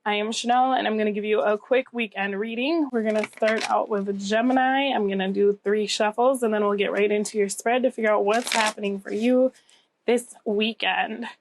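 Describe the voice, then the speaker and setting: A woman's voice: mid-range voice, steady tone, normal speed. A woman with a cold giving a casual tarot reading, slightly scratchy and nasal, conversational and often checking in with the listener. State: getting over a cold. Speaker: tarot reader, channel host.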